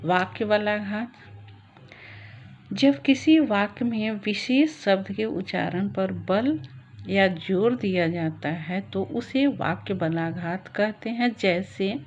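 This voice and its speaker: A woman teaching a grammar lesson, explaining step by step and listing letters one by one. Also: medium pitch. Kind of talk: slow Hindi grammar lesson. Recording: slightly dull audio with faint noise.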